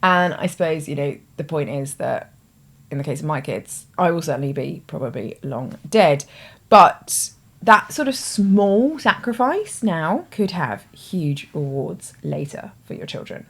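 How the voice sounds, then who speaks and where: British woman, host, low voice, thoughtful, conversational, explaining. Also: big pitch swings, measured pace, breathy edge. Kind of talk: explanatory talk to camera.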